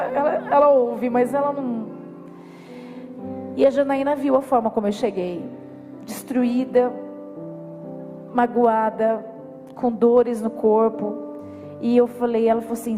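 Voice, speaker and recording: A woman pastor with a Brazilian Portuguese accent, giving an earnest, emotional testimony and voicing what she and others said. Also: high-pitched. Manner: earnest, quotes her own and others' words. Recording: long hall reverb with soft music.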